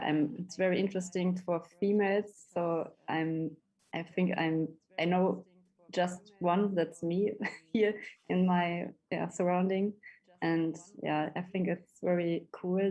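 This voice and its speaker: A woman from Germany introduces herself over a video call. She speaks slowly and in a lowish voice, shy and hesitant, often stopping to search for the right words. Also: fairly even intonation, darkish tone, rough recording. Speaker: participant.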